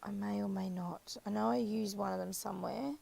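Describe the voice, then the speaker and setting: A woman with a croaky, scratchy voice chatting casually through a crafting voiceover, rambling and correcting herself as she goes. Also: mid-range voice, steady tone, a little fast, dark tone. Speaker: craft video maker. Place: voiceover recorded apart from the footage.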